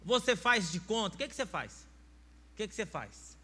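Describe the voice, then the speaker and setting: A man's voice: sits high, sing-song, a little fast, pushed and bright, husky. A man with a Brazilian Portuguese accent preaching a sermon as pastor, emphatic and firing rhetorical questions at the congregation. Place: church sanctuary. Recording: church hall reverb with faint mains hum.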